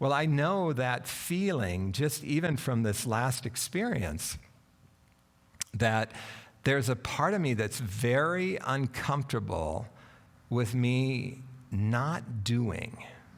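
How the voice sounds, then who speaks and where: With audible room echo, a man of medium pitch speaks at a very slow pace, his loudness very even and his intonation lively. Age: 60s. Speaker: minister. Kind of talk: sermon.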